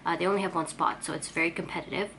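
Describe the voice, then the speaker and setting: A woman's voice: fairly low pitch, steady tone, rapid-fire, creaky, a bit bright, a little hiss or hum, rough recording. A woman vlogger with a congested, sniffly voice, giving a casual, rambling, self-effacing update on her day. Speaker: vlogger and artist. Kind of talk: casual chatty vlog update.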